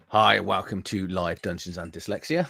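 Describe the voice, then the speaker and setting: A man with an English accent, a very deep, low pitch, a bright, sharp tone and lively intonation, in a very clean recording with a silent background. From England. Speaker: podcast host. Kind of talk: live interview.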